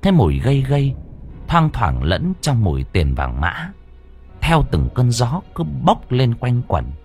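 A man's voice: huge pitch swings, unhurried, a little mellow, soft background music. A man narrating a ghost story dramatically. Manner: dramatic, swinging pitch.

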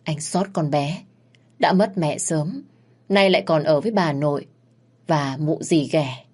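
A woman narrating a family drama in a gentle, sympathetic storytelling manner. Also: low-pitched, unhurried. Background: faint music.

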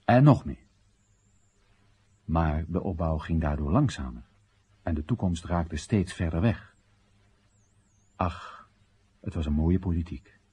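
A man's voice: deep voice, expressive, takes it slowly, pauses often, warm tone, husky, full character voice. An actor playing a wry Chinese everyman who narrates and questions his country's policies in a radio drama monologue, ironic, rhetorical and theatrical. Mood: wry, reflective.

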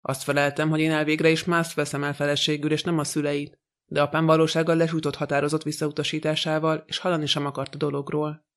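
A man's voice: a little high, completely flat delivery, fairly bright tone. A man reading as a hot-tempered defiant young son. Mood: bitter. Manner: bitter, defiant.

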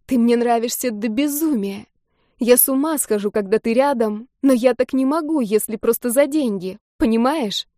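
A woman reading the part of a stubborn young woman who pleads, close to tears, her voice climbing higher. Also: animated, moderate pace, hardly any pauses, a little mellow, dry recording. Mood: tearful.

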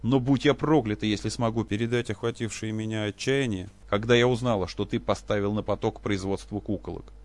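A man voicing a grieving, vengeful woman who speaks in an even, cutting voice. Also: fairly low pitch, a little fast, hardly any pauses, natural voice. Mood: cold.

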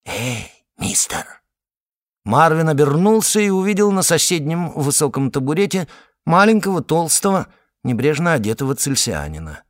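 A man narrating an audiobook in an expressive, theatrical way. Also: fairly high pitch, normal speed, dry recording, clean studio sound. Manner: animated, theatrical.

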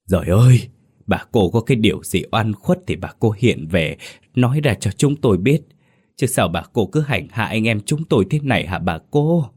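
A man's voice: lowish voice, sing-song, normal speed, darkish tone, breathy edge. A man voicing an anxious middle-aged village man who speaks urgently and pleads. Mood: pleading.

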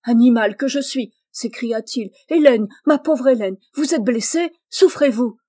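A woman reading aloud and voicing a bluff, hearty male farmer who talks in gruff exclamations. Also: on the high side, measured pace, mellow.

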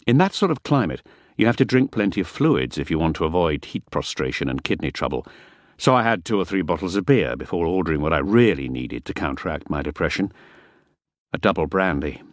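A man reading a first-person novel aloud as an audiobook narrator, measured and wry. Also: low voice, dry recording.

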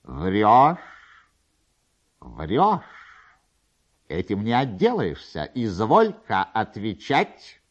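A man's voice: fairly low pitch, huge pitch swings, very slow, long pauses, lo-fi sound, exaggerated voice. A man voicing a stern, haughty police officer in a story reading, drawing out his imperious commands. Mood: stern, accusing.

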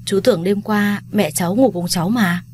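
A woman voicing a concerned man who speaks briskly and matter-of-factly in a told story. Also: medium pitch, a little mellow, slight background noise, close to an everyday voice. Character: concerned man, the mother's partner.

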